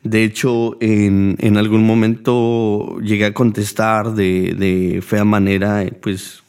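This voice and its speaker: Rambling, profane Mexican man with a lowish voice. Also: level tone, takes it slowly, a little mellow, clean tone. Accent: Mexican Spanish. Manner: profane, rambling, heavy use of fillers. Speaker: podcast host. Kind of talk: casual monologue.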